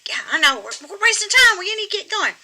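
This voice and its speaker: A woman ventriloquist voicing a sour, self-assured church lady puppet in her eighties, quick to contradict. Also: very high-pitched, big pitch swings, pushed and bright, voice pushed up, heavily acted. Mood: impatient. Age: 80s. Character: sour, mean but loving 86-year-old Southern church lady puppet. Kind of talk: comic ventriloquist puppet act.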